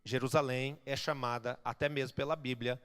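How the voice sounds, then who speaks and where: A man preaching a sermon as a pastor, emphatic and building to loud exhortations. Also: medium pitch, fairly even intonation, normal speed, smooth. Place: church. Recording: reverberant church hall.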